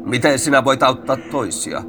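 A man's voice: mid-range voice, music in the background, close to an everyday voice. An actor playing a mocking man jeering at a crucified man. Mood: taunting. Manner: taunting. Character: mocking male onlooker at the cross.

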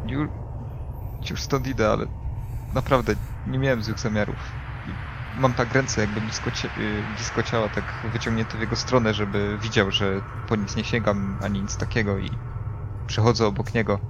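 A man playing a tabletop role-playing game, haltingly improvising his character's words and actions. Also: fairly low pitch, flat delivery. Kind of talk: improvised role-play, describing own actions. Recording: clearly noisy background.

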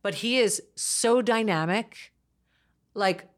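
A woman co-hosting a podcast in casual chat, enthusiastic and quick to chime in. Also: mid-range voice. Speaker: podcast co-host.

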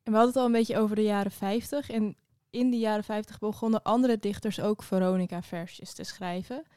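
A woman asking interview questions in a clear, direct way. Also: mid-range voice, fairly even intonation, fairly quick, warm tone.

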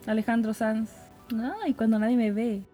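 Young Chilean woman, casual podcast host, slangy chat, frequent laughs, slightly high voice, faint music behind. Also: little pitch movement, moderate pace, warm tone. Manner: chatty, slangy, laughs often.

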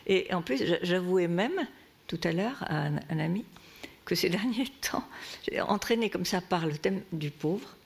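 A woman talking animatedly in a conversation, laughing softly and sometimes whispering, distant from the microphone. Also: lowish voice, animated, a little slow, vocal fry.

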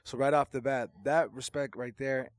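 A man whose first language is Portuguese, a guest rapper talking in a casual podcast chat, animated and slangy with emphatic swearing. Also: medium pitch, moderate pace, dry recording, studio quality.

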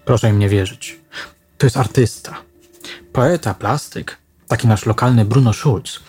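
A man voicing a stern, guarded woman headmistress, speaking briskly and coolly. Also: mid-range voice, a little mellow, slightly rough, soft background music. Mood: defensive.

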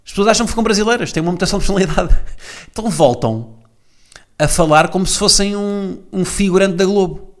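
A man with a European Portuguese accent riffs alone at home, hosting his own comedy podcast. His voice sits a little on the high side, and his monologue is a mocking, sarcastic rant, punctuated by constant "right?" asides to his listeners. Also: fast talker. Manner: sarcastic, mocking rant with frequent tag questions. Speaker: podcast host.

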